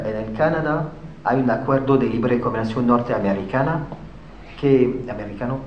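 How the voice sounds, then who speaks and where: A man with a French accent talks at a medium pitch with ordinary pitch variation. Audible room echo and noticeable background noise surround his voice. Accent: French accent in Spanish, non-native. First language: French (speaking Spanish). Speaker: activist speaker on trade policy. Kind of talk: lecture. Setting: stage with audience. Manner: halting.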